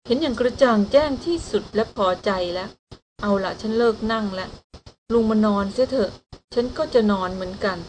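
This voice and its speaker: A woman reading the part of a young woman adventurer, speaking softly, politely and earnestly to her brother. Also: on the high side, a little fast, a little hiss or hum, close to an everyday voice, poor audio.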